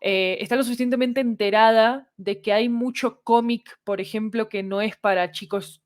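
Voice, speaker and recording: A woman's voice: fairly high pitch, fairly even intonation, normal speed. A woman with a Latin American Spanish accent explains things in casual conversation, thinking aloud and often checking that the listener follows. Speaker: podcast creator guest.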